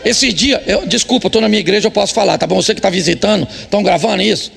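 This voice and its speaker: A man's voice: sits high, rapid-fire, creaky, background noise. A middle-aged man with a Brazilian Portuguese accent, preaching a humorous sermon in church, teasing the congregation. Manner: joking, teasing, acts out quotes. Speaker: pastor.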